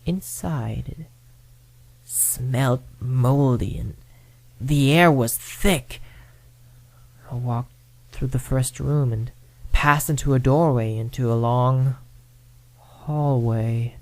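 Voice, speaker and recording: A man's voice: medium pitch, slow pace, pauses often, no room sound. A man playing a timid, stammering young man. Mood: storytelling. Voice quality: hesitant, stammering. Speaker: scared companion who then tells a ghost story. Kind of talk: amateur audio drama.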